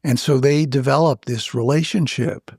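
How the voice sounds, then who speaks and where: An older man, an author and guest in an interview, telling his story in a reflective, unhurried way with frequent pauses. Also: mid-range voice, a little mellow, breathy edge, dry recording, studio quality. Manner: unhurried, thoughtful, with frequent "you know" pauses.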